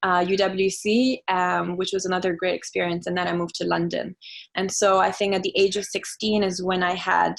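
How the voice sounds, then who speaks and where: A young woman who grew up in Italy talks with old friends about her childhood. She thinks aloud, full of fillers and small restarts, relaxed and open. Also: lowish voice, moderate pace, vocal fry. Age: young adult. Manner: reflective, chatty, lots of "like" and "um". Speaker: podcast guest. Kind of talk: casual conversation.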